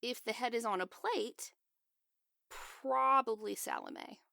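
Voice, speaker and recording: A woman's voice: fairly high pitch, slow, gravelly, bright, forceful tone, dry recording, studio quality. A woman co-hosting a podcast, explaining a topic in a chatty, casual way. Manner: explanatory, chatty, laughs often. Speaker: podcast co-host. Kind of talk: casual chat.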